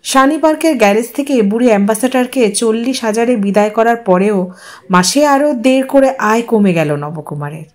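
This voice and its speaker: A woman's voice: a little high, lively intonation, normal speed, a little mellow. A woman narrating a literary audio story in a dramatized reading style.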